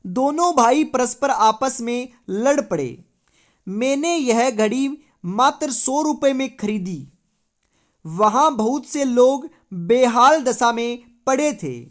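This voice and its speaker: A woman's voice: a little high, lively intonation, takes it slowly. A woman teacher from India running an exam-prep quiz lesson, reading out multiple-choice options and confirming each answer with stock phrases. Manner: reads options aloud, then confirms with repeated catchphrases.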